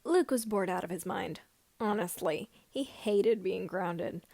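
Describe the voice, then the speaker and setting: A woman narrating scripted fan fiction as an amateur reader, with somewhat halting phrasing. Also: mid-range voice, gravelly, warm tone, no room sound.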